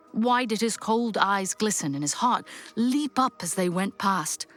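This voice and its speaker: A woman playing the storyteller, giving expressive, literary narration in a scripted audio drama. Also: a little high. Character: storyteller narrating a classic Christmas tale.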